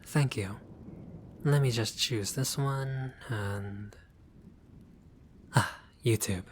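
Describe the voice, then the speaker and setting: A man's voice: medium pitch, drawn-out words, a little hiss or hum. A man playing a haughty but friendly vampire lord in a roleplay audio, speaking in a formal, fussy, politely pompous way. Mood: curious, polite. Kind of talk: scripted roleplay audio addressed to the listener.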